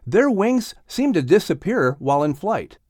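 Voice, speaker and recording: A man's voice: high-pitched, sing-song, moderate pace, darkish tone, no echo, clean studio sound. A man reading scripted narration for a children's audiobook story.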